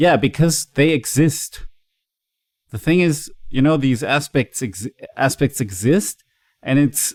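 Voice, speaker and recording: Speaking very slowly with long, frequent pauses, a man with a fairly high voice and ordinary pitch variation is heard in a very clean, silent recording with a dry, close sound and no echo. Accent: German. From Germany. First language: German. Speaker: podcast host. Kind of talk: casual interview chat. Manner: speaking high in the head, not in chest.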